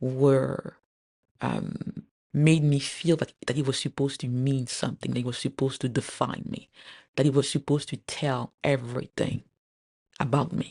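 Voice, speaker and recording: Against a quiet background, a woman with a very deep, low pitch and a dark, mellow tone speaks with fairly even intonation, the sound dry and close with no echo. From Cameroon. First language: French. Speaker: podcaster. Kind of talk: personal monologue. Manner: deliberately slow; halting, many fillers and repetitions.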